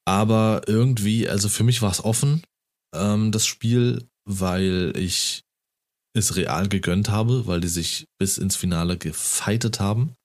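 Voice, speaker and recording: A man in casual conversation about football, talking enthusiastically and getting animated as he retells a match. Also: lowish voice, measured pace. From Germany.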